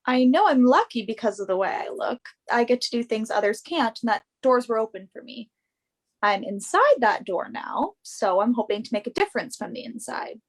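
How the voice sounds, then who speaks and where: A woman acting as a young fashion model in a naturalistic stage reading. Her voice sits fairly high, and she comes across as earnest, confident and assertive. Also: big pitch swings, normal speed. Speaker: actor in a virtual staged reading.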